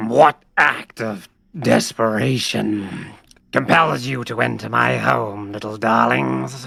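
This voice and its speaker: A man puts on a raspy character voice, speaking at a fairly slow pace with a fairly low pitch. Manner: menacing.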